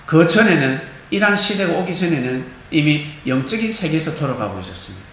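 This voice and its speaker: A man preaching a sermon as pastor, animated, acting out quotes and singing bits of hymns. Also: fairly high pitch, brisk. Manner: animated, acts out quotes, sings snatches of hymns. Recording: echoey church hall, faint noise.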